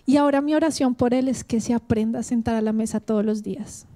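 A woman's voice: a little high, fast talker, dark tone. A woman preacher giving a sermon with a personal testimony, earnest and heartfelt, speaking straight to the congregation.

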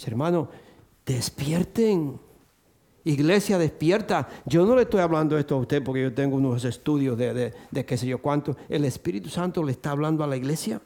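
An older male preacher delivers an animated sermon in a somewhat high voice. He acts out the voices he quotes and climbs into excited bursts. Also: fast talker, gravelly, few pauses. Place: church.

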